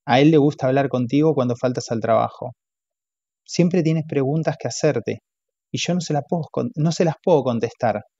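A man's voice: medium pitch, moderate pace, dark tone, breathy edge, no echo. A man voicing a hurt, angry wife with a clipped, martyr-like manner, in a dull, dry audiobook recording. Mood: reluctant.

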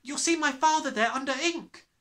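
Man as a high-pitched, brave little schoolboy. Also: moderate pace, bright, forceful tone. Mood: earnest. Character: brave, nervous little schoolboy answering back. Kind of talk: storybook character reading.

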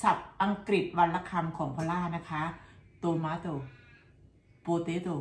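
A middle-aged Thai woman with a lowish, brisk voice chats and laughs while cooking breakfast at home for her vlog, constantly using polite tag words. The indoor kitchen recording sounds roomy.

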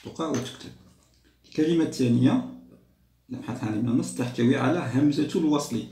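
A man, teaching a grammar lesson to young children patiently, repeating and drawing out words slowly. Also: medium pitch, warm tone. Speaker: primary school teacher. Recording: roomy echo.

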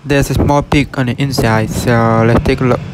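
A man's voice: mid-range voice, fairly even intonation, moderate pace. A man narrating a casual walkthrough vlog outside a closed shop, filming on a handheld phone with plain, simple remarks. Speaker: retail exploration vlogger. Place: outdoors on a city street by a closed shop. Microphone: handheld phone camera. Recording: faint outdoor street noise. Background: faint street and car noise.

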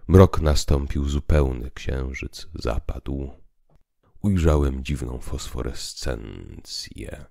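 Very deep, solemn priest played by a man. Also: gravelly, dark tone, no echo, studio quality, full character voice. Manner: solemn, deliberate, oratorical. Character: calm, grave priest telling visionary tales. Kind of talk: dramatized literary audiobook reading.

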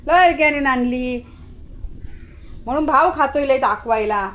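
High-voiced woman scolding her dogs. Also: a little slow, low-quality recording. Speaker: vlogger filming her pet dogs. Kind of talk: casual vlog talk to camera and dogs. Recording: loud dog barking and outdoor noise.

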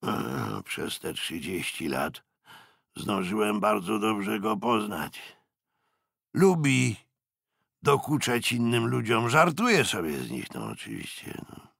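Guy doing a tipsy old navy lieutenant for an audiobook, low n gravelly, grumbly gossip, hesitant rambling. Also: very animated, slow pace, fairly bright tone, no echo, studio quality, heavily acted. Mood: cautious, wry. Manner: hesitant, rambling, with trailing interjections.

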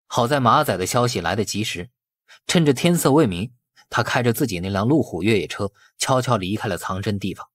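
A man's voice: fairly low pitch, animated, fairly quick, no echo, clean studio sound. A man reading a novel aloud as scripted, dramatic audiobook narration.

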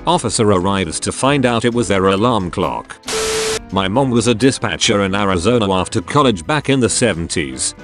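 Low, lively male story narrator. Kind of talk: scripted narration of online posts.

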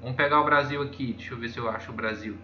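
Rambling Brazilian man, bright echoey voice. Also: medium pitch, steady tone, very fast. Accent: Brazilian Portuguese. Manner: rambling, constantly saying "ó" while pointing at charts. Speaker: YouTuber. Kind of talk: casual screen-share commentary. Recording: echoey room, dull lo-fi sound, faint noise.

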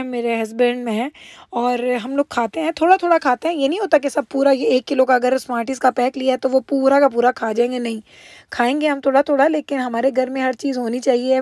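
A woman's voice: sits high, a little mellow. A woman talks through her vlog in a chatty, informal way. She drops English words into her sentences as she goes. The sound is dry, with hardly any room echo, like a close voice-over. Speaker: vlogger, homemaker. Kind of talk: casual shopping vlog narration.

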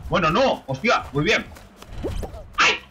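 A man streaming a game live, excitable and swearing at it. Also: fairly high pitch, moderate pace. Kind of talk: live gaming commentary. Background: game music.

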